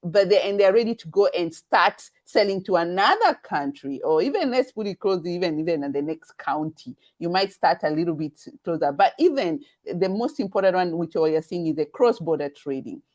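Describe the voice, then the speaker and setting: Halting Kenyan woman hosting live. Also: fairly low pitch, animated, darkish tone. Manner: halting, with many fillers and restarts. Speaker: event host. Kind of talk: live webinar presentation.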